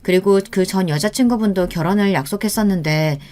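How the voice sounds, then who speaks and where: A woman narrating a true-life story in the first person, in a steady, earnest scripted reading. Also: mid-range voice, fairly quick.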